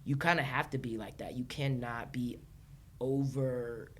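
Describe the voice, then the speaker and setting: A woman from Los Angeles, a podcast guest chatting casually, animated, laughing often and restarting her sentences. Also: a bass voice, a little slow, a little hiss or hum. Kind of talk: casual chat.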